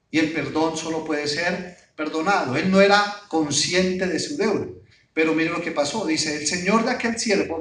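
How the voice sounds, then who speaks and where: A man's voice: high-pitched, fairly bright tone, recorded from a distance. A pastor preaching a sermon, putting rhetorical questions to his congregation. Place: church hall. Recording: echoey church hall, voice off-mic.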